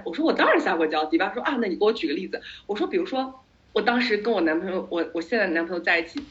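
A woman podcast host in a relaxed chat, telling stories with animated energy and slipping English words into her sentences. Her voice sits at a middle pitch. The recording is somewhat muffled and lo-fi. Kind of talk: casual chat. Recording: slightly dull lo-fi audio.

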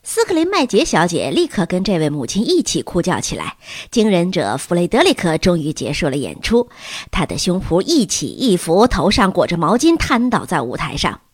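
Brief: expressive woman storyteller, animated intonation, dry studio sound. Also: fairly low pitch, moderate pace, slightly rough, dry recording. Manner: lively expressive reading. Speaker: narrator. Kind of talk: audiobook storytelling.

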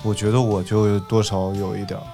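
A man's voice: lowish voice, level tone, fairly quick, mellow, soft background music. A man co-hosting a podcast in casual chat, with joking, teasing banter. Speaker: podcast co-host.

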